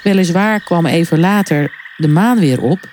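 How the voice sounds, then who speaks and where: A woman reading a children's story aloud in a calm, unhurried storytelling manner. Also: lowish voice, a little hiss or hum. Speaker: story reader.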